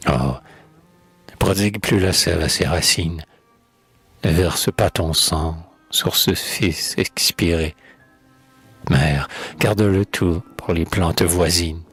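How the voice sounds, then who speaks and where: Very deep, husky man reciting solemn poetry. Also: fairly bright tone, soft background music. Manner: declamatory, elegiac, measured phrasing. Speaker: poetry reader.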